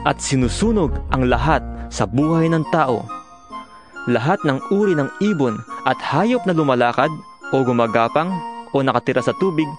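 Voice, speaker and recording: Solemn man reading scripture over music. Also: on the high side. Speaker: narrator of a dramatized audio Bible. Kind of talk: dramatized scripture reading, exhorting. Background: music behind the voice.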